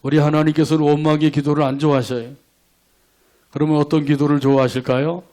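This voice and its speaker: A male pastor delivers a sermon with a fairly high voice, posing rhetorical questions. He breaks up scripture into short lines for the congregation to repeat back, and he acts out the prayers he quotes. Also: little pitch movement, fast, a little mellow. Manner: leads congregation in call-and-response verse reading.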